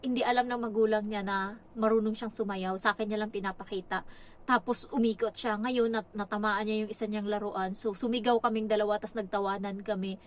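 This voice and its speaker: A woman from the Philippines, a domestic helper, casually telling a story in a vlog and turning higher and louder when she quotes people. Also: fairly quick. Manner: animated retelling, jumps higher and louder when quoting others.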